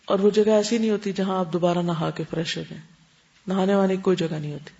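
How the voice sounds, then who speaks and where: A woman giving a religious lecture as an Islamic teacher, explaining step by step and checking that listeners follow with quick questions. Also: on the low side, steady tone, warm tone. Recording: dull lo-fi recording.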